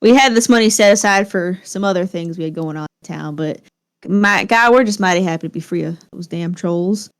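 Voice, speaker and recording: A woman voicing a middle-aged male town official in a tabletop game, folksy and grateful, with a Southern US accent and a hesitant, drawn-out delivery. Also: fairly low pitch, clear, resonant tone, lightly acted. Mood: grateful, relieved.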